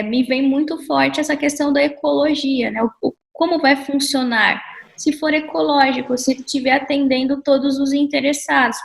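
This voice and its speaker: A woman with a high voice responds in a relaxed conversation. She searches for her words, hesitating and restarting as she builds her point. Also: vocal fry, low-quality recording. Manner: thoughtful, hesitant, with many fillers. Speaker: conversation partner. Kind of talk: conversational talk.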